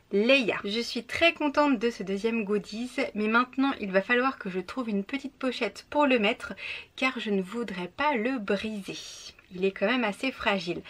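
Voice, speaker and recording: Slow, cheerful young woman unboxing. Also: on the high side, fairly bright tone. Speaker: book box unboxing vlogger. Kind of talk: casual unboxing chat.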